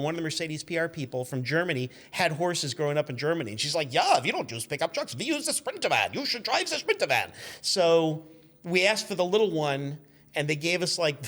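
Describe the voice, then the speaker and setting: A man's voice: a little high, a bit bright. A man in his fifties chatting casually as a guest, telling anecdotes in a self-deprecating, joking, rambling way. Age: 50s. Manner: rambling, digressive. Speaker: guest, car magazine editor and former radio intern.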